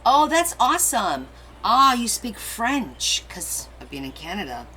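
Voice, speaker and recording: A woman's voice: fairly high pitch, big pitch swings, a little slow, sharp tone, slight background noise, poor audio. A middle-aged woman whose first language is Portuguese, chatting casually and rambling as she hosts a live crafting stream and answers viewer comments. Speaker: crafting livestream host.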